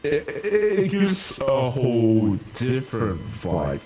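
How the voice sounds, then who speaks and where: A man trying out a voice changer that lowers his voice, talking slowly and playfully. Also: big pitch swings, a little mellow, reverberant, a little hiss or hum. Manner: slow, playful, showing off a deep modded voice. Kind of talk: casual livestream chat.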